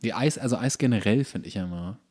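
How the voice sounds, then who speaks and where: A man's voice: on the low side, fast talker, a little mellow. A man talking as a podcast co-host, chatting informally and colloquially with a friend. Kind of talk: casual chat about food with a friend.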